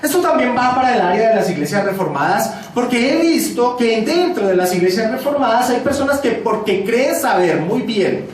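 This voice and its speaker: A man's voice: very high voice, animated, normal speed, few pauses, a little hiss or hum. A man preaching an expository sermon as pastor, emphatic and repeating key phrases for stress. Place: church sanctuary. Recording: echoey church hall, mic from a distance.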